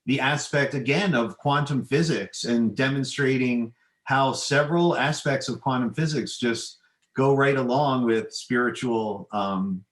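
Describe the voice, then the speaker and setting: A middle-aged man, an author guesting on a podcast, explaining his ideas in a halting, thoughtful, conversational way. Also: medium pitch, a bit bright. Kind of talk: conversational interview answers.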